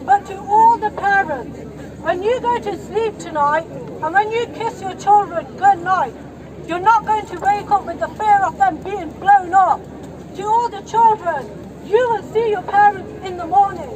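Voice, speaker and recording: A woman's voice: very high voice, a little slow, background noise. A woman organizing a street protest, speaking directly to the crowd with appeals and instructions. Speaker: rally organizer. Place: outdoor street rally.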